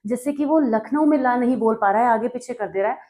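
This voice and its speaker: A woman's voice: a little high, fairly quick, dark tone. A woman from North India, working as a tutor, explains study notes in a conversational way and often checks in with her listeners.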